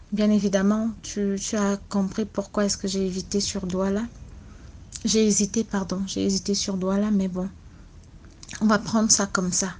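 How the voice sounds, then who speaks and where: A Cameroonian woman with a Cameroonian French accent, telling a personal story softly and hesitantly. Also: mid-range voice, level tone, slight background noise. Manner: speaks softly and slowly, with many hesitations. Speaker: caller sharing a story. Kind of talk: personal testimony, slow and deliberate.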